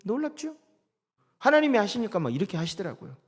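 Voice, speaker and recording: A middle-aged man preaching a sermon as pastor, dramatic, moving from loud declarations to soft asides. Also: high voice, very animated, fast, breathy edge.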